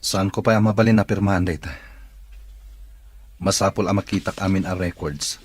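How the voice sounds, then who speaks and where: A man playing a stern, demanding employer in a radio drama, with a husky, grumbling delivery. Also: sits low, steady tone, normal speed, dry recording. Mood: suspicious. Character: well-off demanding male employer seeking a caregiver.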